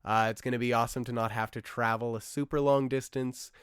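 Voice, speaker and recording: Young man, podcast host, casual rambling, excitable, slightly rough voice, smooth and resonant, dry close sound. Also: mid-range voice, fairly quick, no room sound. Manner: enthusiastic, rambling, with frequent fillers and asides. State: slightly rough, losing his voice.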